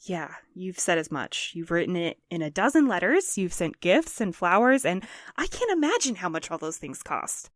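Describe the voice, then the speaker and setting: A woman's voice: lowish voice, very animated, normal speed, few pauses, dry recording, studio quality. A woman in an audio drama playing a bitter, guarded courier, hurt and sarcastic. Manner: sarcastic, cutting.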